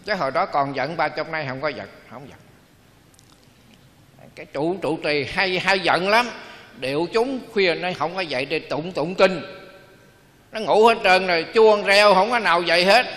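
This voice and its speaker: Male monk, dharma talk, high voice, bright tone, folksy storyteller, echoing hall. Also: a little slow, pauses often. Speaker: Buddhist monk.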